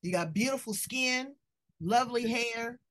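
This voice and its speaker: A woman's voice: fairly high pitch, unhurried, a bit bright. A woman hosting a talk show, effusive and playful, with an upbeat, rallying way of speaking. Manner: effusive, playful, preachy about purpose. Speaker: show host. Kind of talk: casual interview chat.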